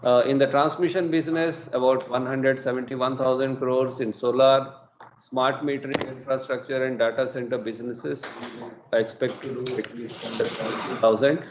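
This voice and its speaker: A middle-aged man with an Indian English accent presents quarterly results on an earnings call, measured and full of hesitations. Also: mid-range voice, little pitch movement, a little hiss or hum. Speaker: company executive presenting results. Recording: echoey room with faint ambience.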